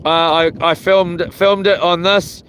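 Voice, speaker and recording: High-voiced Kiwi man chatting outdoors. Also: steady tone, unhurried, fairly bright tone. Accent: New Zealand. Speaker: fishing livestream host. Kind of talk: casual livestream chat. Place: outdoors on a small boat. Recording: clear outdoor boat and water noise.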